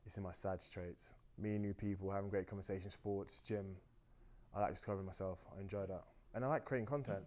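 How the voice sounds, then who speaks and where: A man's voice: deep voice, fairly even intonation, fast, a little mellow. A young man from Austria, a native German speaker, chatting on a date in a talkative, reflective, rambling way. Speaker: dating show guest. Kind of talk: casual dating conversation.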